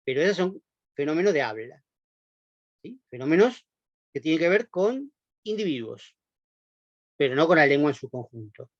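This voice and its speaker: A man's voice: a little high, big pitch swings, normal speed, long pauses, no echo. A man giving a university class lecture, explaining patiently and often checking in with his listeners through tag questions and "eh" fillers. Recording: dull lo-fi, dry recording.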